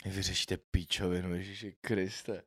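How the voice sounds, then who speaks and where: Crude joking man, deep voice. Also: flat delivery, fairly bright tone, no room sound, studio quality. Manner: crude, joking, heavy slang and swearing. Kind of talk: casual chat among friends.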